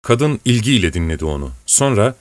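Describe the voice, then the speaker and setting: Low-voiced male audiobook narrator. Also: very animated, fairly quick, dry recording.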